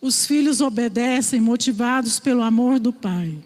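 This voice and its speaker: A woman from Brazil preaching a sermon, telling stories in a lively storyteller's way. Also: a little high, moderate pace. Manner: storytelling, animated voices for quoted father. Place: church hall. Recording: reverberant church hall.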